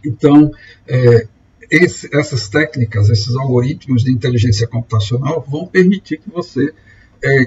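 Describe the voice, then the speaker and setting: A man's voice: mid-range voice, darkish tone, a little hiss or hum. A man giving a lecture over slides, explaining step by step and often restarting words. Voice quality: husky, gravelly. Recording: dull lo-fi recording.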